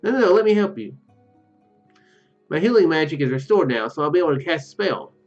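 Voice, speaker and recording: A man's voice: a little high, very animated, fairly quick, a little mellow, muffled recording, faint music behind. A man voicing a shy, kind young female mage from a visual novel, speaking hesitantly and earnestly. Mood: reassuring.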